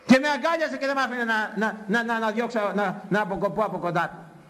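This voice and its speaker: A man's voice: high voice, a bit bright. An older man, a priest, giving a sermon on scripture, emphatic and repeating phrases for effect.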